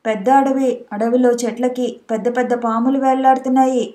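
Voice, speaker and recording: A woman's voice: high voice, steady tone, a little fast, warm tone, natural voice. A woman voicing a frightened young wife who has just woken from a nightmare, in a storybook reading with a breathless, scared manner. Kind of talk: audiobook character voice.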